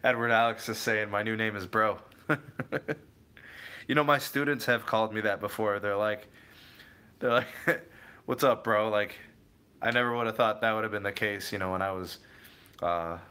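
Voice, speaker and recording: Young man, from the Cleveland area, tech stream host, bright voice, slightly low pitch, rambling chat. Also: fairly even intonation, moderate pace, pauses often. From Cleveland area, USA. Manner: rambling, self-correcting, answers viewers by name. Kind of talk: casual live chat reading viewer comments.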